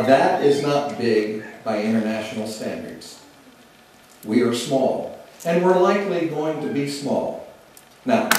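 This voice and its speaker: A middle-aged man from Oklahoma, giving a measured public speech as a government speaker on oil and gas, often pausing on "uh". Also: mid-range voice, a little mellow, a little hiss or hum. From Oklahoma, USA. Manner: measured, many "uh" fillers. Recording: roomy hall, distant mic.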